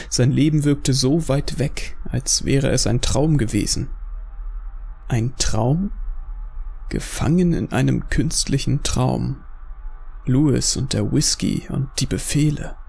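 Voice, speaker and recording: Gravelly male horror narrator. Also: mid-range voice, darkish tone. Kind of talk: scripted horror audio drama narration.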